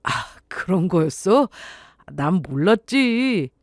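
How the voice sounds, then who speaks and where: A woman's voice: mid-range voice, sing-song, takes it slowly, no echo, clean studio sound. A woman voicing an easygoing young man who answers casually and a little defensively.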